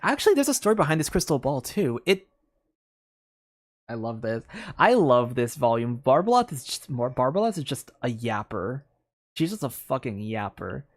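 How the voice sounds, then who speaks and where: A game streamer with an expressive delivery, reading a story aloud in storybook style and slipping into casual asides. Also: medium pitch, normal speed. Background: music.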